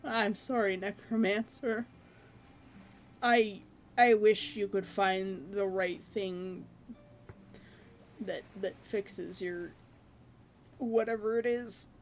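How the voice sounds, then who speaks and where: A streamer chatting casually with viewers from their room at home, rambling and laughing at themselves, with a hoarse voice that is giving out. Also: mid-range voice, steady tone, slow pace, long pauses, a little hiss or hum. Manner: rambling, self-deprecating, laughs often. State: hoarse, losing voice.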